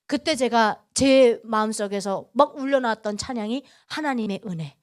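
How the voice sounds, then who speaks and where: A woman from Korea, giving an emotional church testimony and telling it dramatically, acting out God's words between hushed and loud moments. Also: on the high side, normal speed. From North Korea. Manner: dramatic storytelling, voices God's lines, swings from hushed to loud. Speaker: guest speaker giving testimony.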